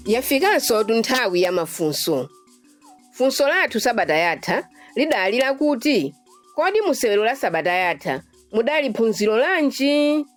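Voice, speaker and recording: A woman with a Malawian accent presenting a radio drama programme in scripted announcements, deliberate when reading out lists and numbers. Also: a little high, very animated, faint music behind.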